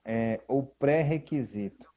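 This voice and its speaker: A man in casual talk about the Bible, animatedly reading scripture aloud slowly and with emphasis. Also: medium pitch, a crowd in the background. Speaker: co-host. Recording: dull lo-fi sound.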